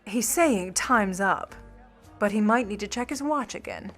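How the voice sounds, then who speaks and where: A woman's voice: medium pitch, expressive, unhurried, fairly bright tone, faint music behind. A woman playing a cool, sly, condescending Hollywood starlet and jewel thief with syrupy politeness in a noir radio play. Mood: guarded, smooth.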